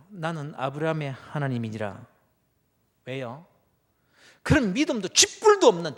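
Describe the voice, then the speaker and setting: A pastor preaching a revival sermon in a church, telling the story dramatically with rhetorical questions. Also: male voice, high-pitched.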